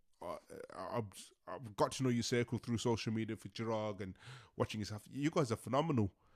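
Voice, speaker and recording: Speaking in a Birmingham accent, a man talks at a very fast pace with long, frequent pauses and ordinary pitch variation. The recording is very clean, dry and close, with no echo and a silent background. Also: medium pitch for a man. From Birmingham, England. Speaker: podcast host. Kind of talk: interview. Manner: halting, repeats words.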